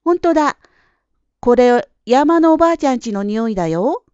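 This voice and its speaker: A woman doing an eager little girl, high and bright. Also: lively intonation, normal speed, clean tone, no room sound, highs cut off. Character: cheerful young girl, lively.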